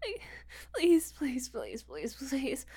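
An actress plays a desperate, submissive woman in an adult audio drama. Her high voice is breathy and halting, drawn out as she pleads, often close to a whisper. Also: huge pitch swings, dark tone, a little hiss or hum, heavily acted. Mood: desperate, pleading.

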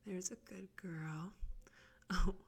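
A woman whispering close to the mic in a soft, coaxing, teasing audio roleplay. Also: lowish voice, steady tone, slow, creaky, breathy edge.

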